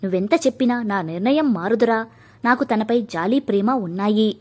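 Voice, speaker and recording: A woman's voice: fairly high pitch, lively intonation, moderate pace. A woman voicing a stern, proud mother. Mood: pained, firm. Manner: sharp and scolding, softening into grief. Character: stern middle-aged mother, proud, fierce about family honour.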